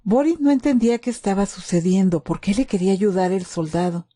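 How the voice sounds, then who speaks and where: A woman's voice: mid-range voice, fairly quick, mellow. A woman telling a scripted story as a dramatic narrator. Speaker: storyteller, channel host.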